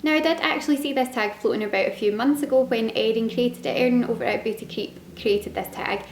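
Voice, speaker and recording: A woman's voice: on the high side, brisk, a little hiss or hum. A young woman with a Glaswegian Scottish accent, chatting casually to camera in a rambling way, full of fillers and asides. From Scotland. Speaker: beauty and lifestyle YouTuber. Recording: echoey room.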